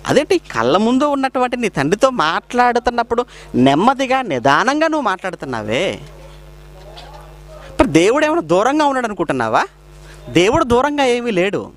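A male preacher giving a sermon, asking rhetorical questions and slowing down to quote scripture. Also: extremely high pitch, a bit bright.

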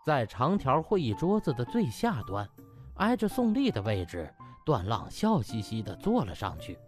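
A man's voice: mid-range voice, wildly swooping pitch, moderate pace, faint music behind. A man narrating a comic audiobook in a colloquial, theatrical and mocking storytelling manner.

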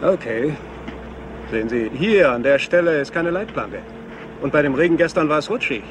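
An actor playing a matter-of-fact mountain police sergeant in a German crime radio play, explaining things practically. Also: male voice, on the high side, animated, moderate pace, lightly acted. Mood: businesslike. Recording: noisy outdoor car ambience.

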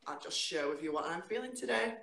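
Animated Northern English woman, echoey room. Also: brisk, creaky. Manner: lively, dramatic delivery with sudden jumps in pitch. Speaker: guest poet. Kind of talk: spoken word performance and casual chat. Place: home room, indoors. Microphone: video call. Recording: echoey room on a video call.

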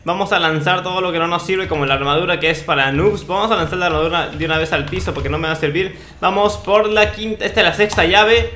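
A young man with a Peruvian Spanish accent hosts casual Minecraft gameplay commentary, sounding cocky and jokingly boastful. His high, bright voice is forceful and rapid, with barely any pauses, and the recording is roomy with faint background noise.

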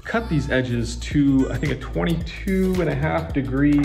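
A man's voice: on the high side, measured pace, vocal fry, darkish tone, faint music behind. A man hosting a casual workshop vlog from his woodworking shop, recorded on his phone's built-in mic. He talks in a laid-back, enthusiastic, slangy way. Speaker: woodworking channel host. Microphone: filmed on his phone's built-in mic.

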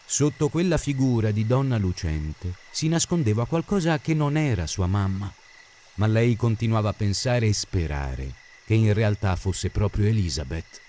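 Expressive male audiobook narrator. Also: mid-range voice, a little hiss or hum. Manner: expressive, dramatic reading. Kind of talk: scripted narration.

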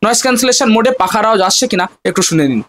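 A man's voice: high-pitched, animated, fairly bright tone. A man demoing a wireless mic in a casual vlog, his voice processed by noise cancellation so that noise reduction artifacts can be heard. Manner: fast, chatty, repeatedly addressing viewers. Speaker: tech vlogger reviewing a wireless mic. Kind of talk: casual product demo. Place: room at home with a fan running. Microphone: wireless clip-on transmitter.

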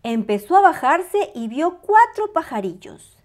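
A woman reading a storybook aloud to young children in a bright, sing-song, welcoming manner. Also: extremely high pitch, big pitch swings, a little slow.

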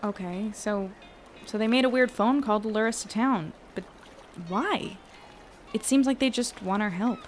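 A woman's voice: a little high, normal speed, a little hiss or hum, natural voice. A woman playing an uneasy, thoughtful investigator in an audio drama, speaking casually and naturally. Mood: puzzled.

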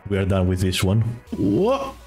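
A man's voice: deep voice, wildly swooping pitch, moderate pace, a little mellow. A man hosting a streamed quiz show in English, which is not his first language, playful and teasing, laughing often. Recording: music playing behind.

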